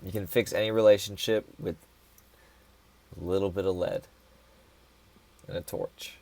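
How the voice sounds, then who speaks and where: A man's voice: low voice, steady tone, normal speed, a little mellow. A man co-hosting a casual podcast, laid-back, joking and asking his friends questions. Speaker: podcast co-host, band member. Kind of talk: casual chat.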